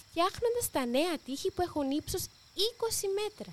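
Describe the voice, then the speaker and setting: Recorded with a dry, close sound and no echo, a woman's voice moves through very wide pitch swings. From Cyprus, Nicosia. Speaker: museum educator. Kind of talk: storytelling for children. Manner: slow, gentle guiding tone.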